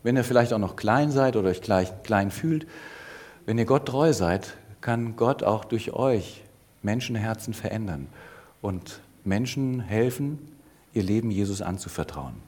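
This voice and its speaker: Husky man telling a children's story. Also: lowish voice, lively intonation, a little slow, a little mellow. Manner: addresses children directly with questions. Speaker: preacher.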